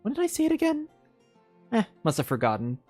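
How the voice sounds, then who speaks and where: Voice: mid-range voice, huge pitch swings, fairly quick, a little mellow, faint music behind, voice pushed up. A streamer voicing a brazen, breezy witch teacher in a storybook read-aloud, airy, theatrical and reassuring. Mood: brazen, evasive.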